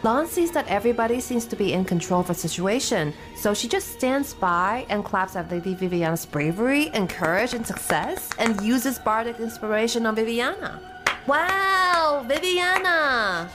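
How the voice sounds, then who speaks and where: A woman speaks as a player in an improvised fantasy adventure. Her voice is fairly high and very lively, with music clearly behind it. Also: moderate pace. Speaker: player in a fantasy role-playing podcast. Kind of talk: improvised game play.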